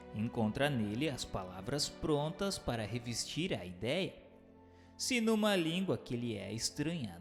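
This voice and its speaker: Formal male narrator over music. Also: medium pitch. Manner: formal, measured, didactic reading. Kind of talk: scripted narration of a spiritist book for radio.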